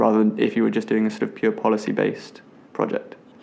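This is a man's voice. He speaks with a British accent. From UK. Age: 20s. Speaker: physics PhD student. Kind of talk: casual chat.

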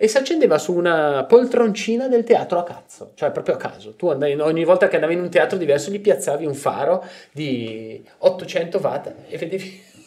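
Noticeable background noise is present throughout. The talking goes at a fairly quick clip. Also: man. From northern Italy, Brescia. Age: 40s. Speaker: actor. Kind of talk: casual chat.

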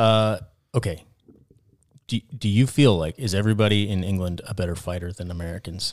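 A man talks at a fairly quick pace with long, frequent pauses, his pitch fairly low and its variation ordinary, on a very clean recording with a silent background. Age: middle-aged. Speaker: podcast host, retired police officer. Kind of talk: casual interview chat. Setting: studio.

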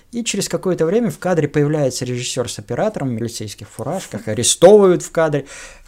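A man talking at a very fast pace with hardly any pauses, fairly high-pitched with very wide pitch swings, a dark, mellow tone and big swings in loudness. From Shakhty, Rostov region, southern Russia. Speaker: film director, former circus clown and actor. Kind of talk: interview.

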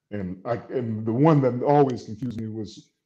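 Medium in pitch, a male voice carrying a dark, mellow tone. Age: 20s. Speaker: caller. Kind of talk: casual chat. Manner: halting, hesitant.

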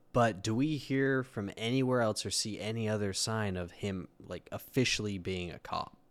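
A man with a normal speaking voice, a fairly low pitch, and a General American accent, at a moderate pace with ordinary pitch variation and hardly any pauses, in a very clean recording with a silent background. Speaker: film podcast co-host. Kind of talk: casual chat.

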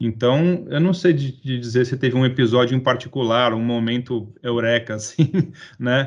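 Here is a man with a plain, everyday voice at medium pitch. He keeps a moderate pace and ordinary pitch variation. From Brazil, São Paulo. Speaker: advertising agency CEO. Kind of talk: interview.

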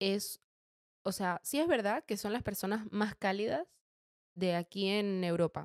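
A woman at medium pitch speaks fairly slowly, with long, frequent pauses, very even loudness and ordinary pitch variation. The recording is very clean with a silent background, and the sound is dry and close with no echo. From Panama, Venezuelan family. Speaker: podcast co-host. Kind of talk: casual chat.

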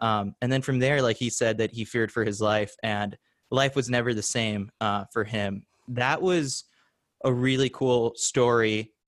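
A man's ordinary speaking voice with an American accent, medium in pitch, at a fairly slow pace with fairly even intonation, in a dry, close sound with no echo. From New York City. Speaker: sports journalist. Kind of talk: interview. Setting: at home, remote.

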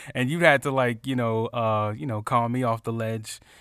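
In a normal speaking voice, a man of medium pitch with an American accent speaks at a moderate pace on a very clean recording with a silent background. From Miami, South Florida. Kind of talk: casual interview chat.

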